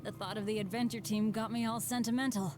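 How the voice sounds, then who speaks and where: A woman's voice: mid-range voice, steady tone, quick pace, music in the background, close to an everyday voice. A woman voicing an earnest, good-hearted, unlucky teenage boy adventurer in a video game. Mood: thoughtful, eager. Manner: boyish, earnest. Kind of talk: video game character voice acting.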